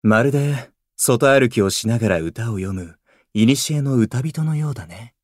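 An actor playing a gentlemanly, poetic male idol in a Japanese voice drama, speaking in a refined, old-fashioned, composed way. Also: mid-range voice, expressive, unhurried, dry recording, clean studio sound. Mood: serene, admiring.

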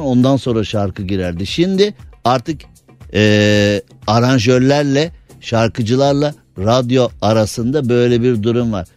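Radio guy just chatting away, opinionated, throws out rhetorical questions, bit of music low behind him. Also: darkish tone. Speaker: radio host. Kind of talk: casual studio talk.

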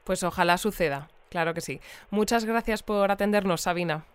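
An actress playing a composed female radio news presenter in an audio drama, speaking in a measured, polite, articulate way. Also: on the low side, clear, resonant tone, no room sound, close to an everyday voice.

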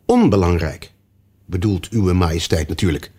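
A man's voice: low voice, animated, moderate pace, mellow, breathy edge. A man voicing a nervous, overly polite white rabbit herald in a storybook reading. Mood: flustered.

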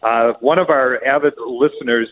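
A man's voice: mid-range voice, moderate pace. A man chatting casually on air as a show regular, phoning in from an echoey public bathroom. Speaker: radio show regular reporting by phone. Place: echoey public restroom in a restaurant. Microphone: phone. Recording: noisy phone line, echoing public bathroom.

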